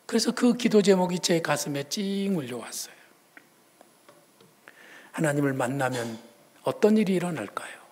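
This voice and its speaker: High-voiced male pastor telling stories. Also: animated, normal speed, long pauses. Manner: conversational storytelling, swings between loud and hushed. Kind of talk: sermon.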